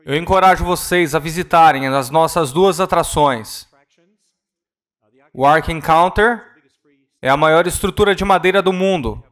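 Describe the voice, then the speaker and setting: A man interpreting a ministry talk at a church conference, earnest and measured, sometimes correcting himself mid-word. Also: fairly high pitch, fairly bright tone, clear, resonant tone.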